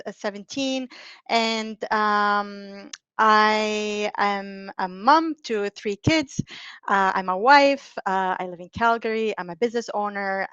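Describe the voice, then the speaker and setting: A woman's voice: medium pitch, a bit bright, clean tone, dry recording. A middle-aged woman from Lebanon, a divorce mediator, talking as a guest on a podcast, hesitant with many restarts and fillers. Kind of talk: podcast interview. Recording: dull, dry, lo-fi sound.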